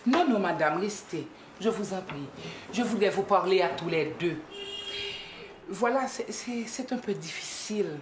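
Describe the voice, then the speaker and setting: A woman's voice: mid-range voice, lively intonation, unhurried, noisy background, close to an everyday voice. An actress playing an upset, emphatic middle-aged mother in a film. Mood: formal. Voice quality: emphatic, voice rising to shouts. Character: agitated middle-aged mother, loud and fretful. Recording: echoey room.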